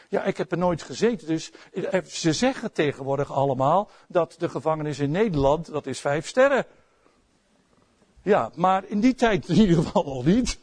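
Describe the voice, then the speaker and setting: A middle-aged man with a Dutch accent preaching a sermon as pastor, swinging between soft asides and loud outbursts. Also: high voice, slightly rough.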